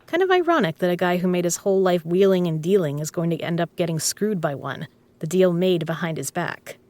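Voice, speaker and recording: A woman's voice: on the low side, lively intonation, brisk, darkish tone, no room sound, close to an everyday voice. A woman playing a tough, teasing poker club owner with a dry, casual manner in an audio drama. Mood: reassuring, candid. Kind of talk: scripted audio roleplay spoken to the listener.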